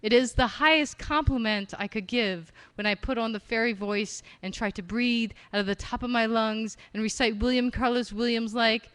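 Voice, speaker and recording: A woman performing spoken-word poetry live at a reading venue on a stage mic, expressive and slowing down on key phrases. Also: fairly high pitch, no room sound. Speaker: poet.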